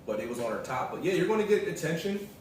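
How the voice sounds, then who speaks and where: A man telling stories in casual chat with his partner, relaxed and rambling, full of fillers. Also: a little high, quick pace, slight background noise. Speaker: vlogger's partner. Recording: echoey room, mic at a distance.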